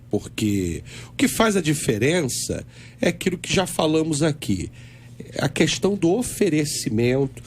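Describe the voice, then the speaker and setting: Reflective man, lively pitch. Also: a little hiss or hum. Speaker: debate panelist. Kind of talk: radio panel discussion.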